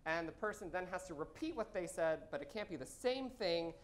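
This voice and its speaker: A man's voice: high voice, lively intonation, fairly quick. A man hosting a live improv comedy show on a small theater stage, chatty and upbeat, with frequent filler words.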